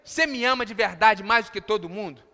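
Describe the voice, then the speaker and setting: Jesus as a searching, gently questioning man, as a Brazilian pastor puts him on, with a very high, bright voice and pleading questions. The voice rings out with a long reverb through a church hall. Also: quick pace. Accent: Brazilian Portuguese.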